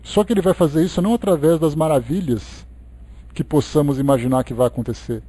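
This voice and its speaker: Mellow, higher-pitched Brazilian man lecturing. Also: fast talker, no echo. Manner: didactic, conversational asides. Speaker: lecturer leading a Spiritist book study. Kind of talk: expository study talk, reading aloud and explaining.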